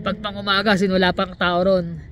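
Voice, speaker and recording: A woman's voice: medium pitch, normal speed, crowd noise. A Filipino woman vlogger, a cook, telling a story in a casual chat outdoors and acting out her coworkers' lines. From Philippines. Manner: animated, acts out coworkers' quoted lines. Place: outdoors at sunset.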